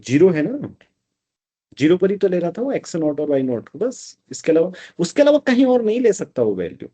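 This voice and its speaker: A man's voice: high voice, sing-song, a little fast, mellow, slightly rough. A man teaching a live online math class, explaining step by step and often checking that students follow. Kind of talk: live online math lecture, Hindi-English mix.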